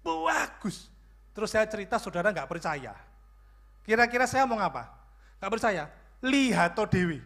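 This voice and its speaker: Lively high-voiced pastor. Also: male voice, moderate pace, pauses often. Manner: lively preaching with jokes and audience questions. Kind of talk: sermon. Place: church.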